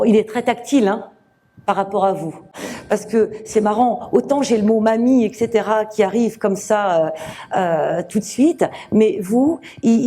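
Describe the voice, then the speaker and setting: A woman medium giving a live reading to an audience, speaking gently with many fillers and restarts. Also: medium pitch. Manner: gentle, reassuring address to the sitter.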